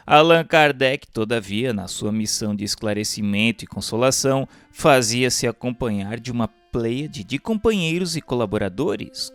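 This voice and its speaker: A man reads a scripted book narration in a solemn, formal manner with emphatic phrasing. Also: mid-range voice. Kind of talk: scripted audiobook-style narration of a book chapter. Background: music under the voice.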